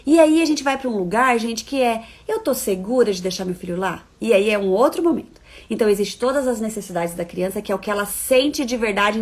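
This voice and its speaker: A woman giving parenting advice in a live-stream talk. She is expressive, shifting from soft, reassuring coaxing to emphatic points. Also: on the high side. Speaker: parenting educator.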